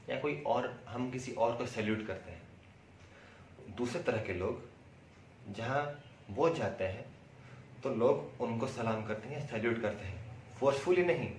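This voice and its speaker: An Indian man giving a prepared testimonial in a deliberate, emphatic way, with pauses and repeated words. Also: mid-range voice. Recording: roomy echo, distant mic, faint noise.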